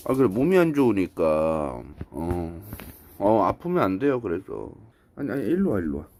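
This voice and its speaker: Husky man streaming sick from bed. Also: fairly low pitch, very animated, normal speed, darkish tone. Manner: swearing, talking to his dog, reading chat. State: sick with a cold, coughing. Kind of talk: casual live-stream chat. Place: lying in bed at home.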